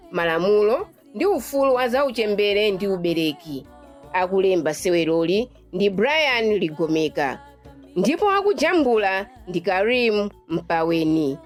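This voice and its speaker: A Malawian woman presents a radio programme in a scripted announcing style. Her intonation is lively and varied around an average female pitch. She speaks over faint background music. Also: moderate pace.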